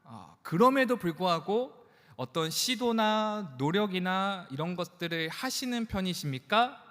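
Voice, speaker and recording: A man's voice: sits high, big pitch swings, measured pace, fairly bright tone. A man in his thirties, a pastor preaching to young adults in a conversational, joking way, in a church. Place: church sanctuary. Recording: church hall reverb.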